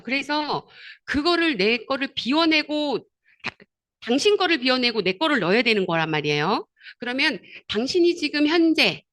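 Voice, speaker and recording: A woman giving a motivational seminar talk, animated and laughing often as she acts out conversations. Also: sits high. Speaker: network marketing speaker.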